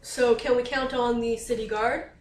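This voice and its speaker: A woman player at a tabletop game, casual and halting as she thinks aloud, laughing often. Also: a little high, fairly even intonation, darkish tone, roomy sound, far from the mic, a little hiss or hum.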